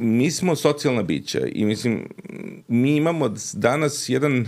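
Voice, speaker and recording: Against a quiet background, a man talks at a moderate speed. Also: ordinary pitch variation. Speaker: psychiatrist podcast guest or co-host. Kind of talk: interview answer. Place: studio. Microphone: studio mic.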